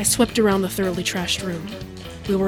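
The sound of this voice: The clip features an unforced reading voice.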